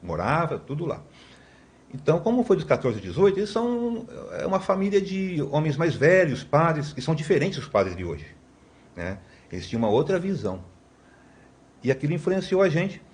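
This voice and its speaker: A man's voice: fairly high pitch, very animated, brisk, a little mellow. A man in his fifties from Brazil, a podcast guest telling long stories in a rambling way, with many tag questions and restarts. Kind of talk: conversational storytelling.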